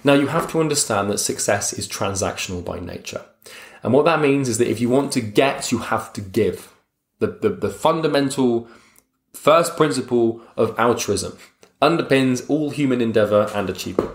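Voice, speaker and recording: A young man speaks bluntly and casually, dropping swear words as he pushes the listener. His voice sits at an ordinary pitch for a man. The recording carries a noticeable roomy echo. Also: lively intonation, moderate pace, slight background noise. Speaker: motivational speaker. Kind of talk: motivational talk to the listener.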